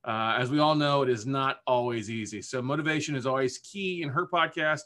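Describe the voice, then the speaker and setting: A male host speaking on a video call in a live stream. His voice is bright and clear, and he talks in a casual, upbeat way with plenty of fillers. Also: mid-range voice, a little fast. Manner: upbeat, chatty, lots of fillers. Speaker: podcast summit host.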